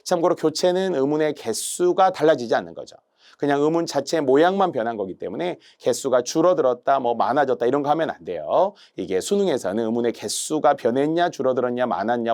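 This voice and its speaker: Animated man giving an exam-prep lecture. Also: medium pitch. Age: middle-aged. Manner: lively, emphatic lecturing with drawn-out examples. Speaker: Korean language instructor.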